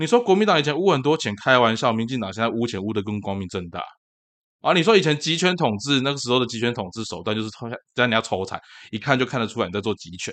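At a very fast pace, a man of medium pitch speaks with lively intonation. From Taiwan, Tainan. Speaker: podcast host, political commentator. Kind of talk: solo political commentary.

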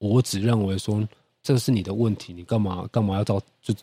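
At a moderate pace, a man speaks with fairly low pitch, ordinary pitch variation, a somewhat breathy, dark and mellow tone, and a dry, close sound with no echo on a very clean recording with a silent background. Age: 30s. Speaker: guitar teacher sharing experience of depression. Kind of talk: personal testimony in interview.

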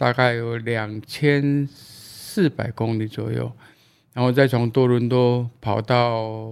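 Recorded very cleanly against a silent background, a man speaks with fairly even intonation. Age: 60s. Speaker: blind long-distance runner, retiree. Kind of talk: casual chat.

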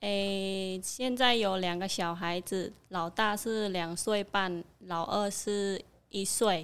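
A woman at medium pitch, very slow pace with hardly any pauses, fairly even intonation, on a very clean recording with a silent background. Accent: Cambodian. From Cambodia. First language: Khmer (speaking Chinese). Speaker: immigrant guest. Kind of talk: casual chat. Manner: halting.

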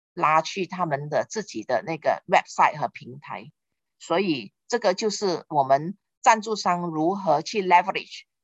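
A woman talks at a fairly slow pace in a normal speaking voice, fairly low in pitch, with lively intonation. The sound is dry and close with no echo, over a quiet background. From Malaysia. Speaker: event planner and PR firm founder. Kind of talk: online lecture.

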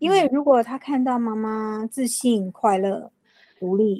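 Her pitch is fairly high and her tone dark and mellow. The woman speaks at a fairly slow pace with ordinary pitch variation. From Taiwan until age 12, then South Africa. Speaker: full-time mother. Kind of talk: casual interview.

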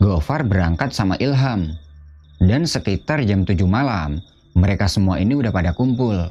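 The speaker uses an ordinary speaking voice at a moderate pace. The intonation is lively. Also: man, fairly low pitch for a man. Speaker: horror storyteller. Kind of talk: horror story narration, told in casual Indonesian. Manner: conversational and suspenseful, telling it step by step.

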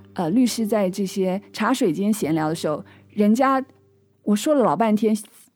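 A woman speaks in a Taiwanese accent with lively intonation. Her medium-pitched voice has a dark, mellow tone. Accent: Taiwanese Mandarin. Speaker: lawyer and author. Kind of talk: casual interview chat.

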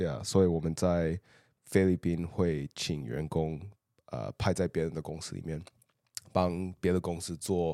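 The speech moves at a fairly slow pace with fairly even intonation and long, frequent pauses, on a very clean recording with a silent background. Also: man, very deep, low pitch for a man. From United States. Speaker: entrepreneur. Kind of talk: casual chat.

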